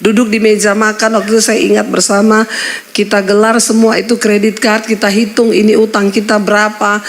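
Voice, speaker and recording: A middle-aged woman pastor preaching a sermon in church, telling stories with sudden high exclamations. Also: flat delivery, a little fast.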